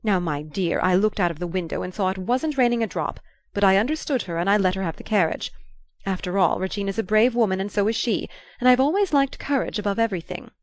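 A woman voicing a shrewd, commanding old grandmother who talks in a lively, imperious way. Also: medium pitch, fast, no room sound, natural voice. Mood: gossipy.

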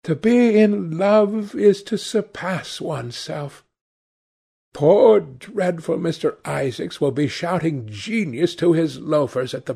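A man putting on a dreamy, lovestruck young woman in a storybook reading. She gushes breathlessly in a lifted, lilting voice, with a husky grain beneath it. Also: a little high, darkish tone, voice pushed up, heavily acted.

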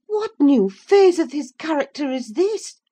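A woman reading aloud, voicing a proud, fiery young lady of the house with a sharp, scolding manner. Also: high voice, lively intonation, measured pace, pitched above the performer's own voice. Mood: indignant.

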